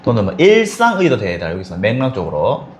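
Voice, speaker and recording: A man teaching an English textbook passage to high school students, explaining step by step and asking students quick questions. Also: wildly swooping pitch, slight background noise. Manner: switches between plain and exaggerated voices for example lines.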